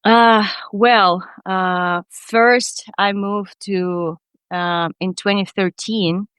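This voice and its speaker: A woman's voice: medium pitch, steady tone, very slow, a bit bright, clean tone, no room sound. A Ukrainian woman with a Ukrainian accent, a startup CEO being interviewed on a podcast, talking earnestly and dreamily with frequent restarts. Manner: earnest, dreamy, many restarts, light non-native grammar.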